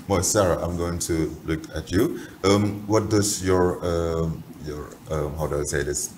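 Casting: male TV interviewer, young, Surinamese accent, low voice, conversational, faint noise behind. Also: steady tone, unhurried, darkish tone. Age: young adult. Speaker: TV host, interviewer. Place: TV studio, seated at desk.

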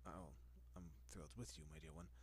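A man playing a doting, possessive centuries-old vampire in an intimate roleplay audio, speaking in a genteel, coaxing manner with lingering pauses. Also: low voice, steady tone, a little hiss or hum, natural voice. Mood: doting, pleased.

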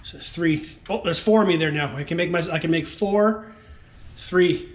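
A man, excitedly talking to viewers while exploring an empty abandoned house on an action camera. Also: on the high side, normal speed, slight background noise. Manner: excitable, keeps calling out to viewers. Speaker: urban explorer vlogger. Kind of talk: casual exploring vlog to camera. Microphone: handheld action camera.

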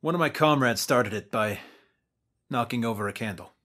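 A man acts out an earnest investigator in an audio drama. His voice sits in the middle range with a sharp, forceful edge, tense and easily exasperated. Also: mid-range voice, normal speed, natural voice. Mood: guarded, polite.

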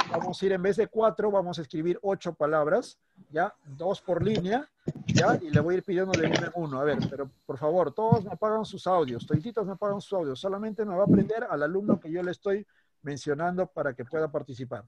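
A man teaching a primary school class online. He is patient, checks in constantly with short questions, and slows down to stress words when he explains. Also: sits high, a little mellow, highs cut off, a little hiss or hum. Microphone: computer mic on a video call.

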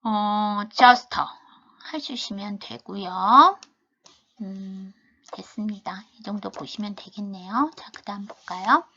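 A woman teaching travel English, reading model sentences slowly and carefully, then explaining them in Korean. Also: medium pitch, sharp tone, dull audio. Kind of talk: video lesson on travel English.

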